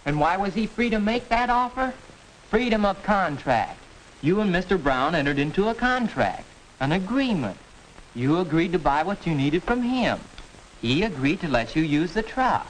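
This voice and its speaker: A young man playing a high school student patiently explaining a point, in 1940s educational film acting, on a hissy old film soundtrack. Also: big pitch swings, normal speed, poor audio.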